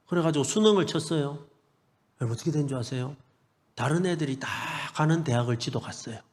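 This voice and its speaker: A middle-aged male pastor with a Gyeongsang accent preaching a revival sermon, building to loud blessings and joking with the congregation. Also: on the high side. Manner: preaching with rising shouted blessings and humorous asides to the congregation. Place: church sanctuary. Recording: long hall reverb in a church.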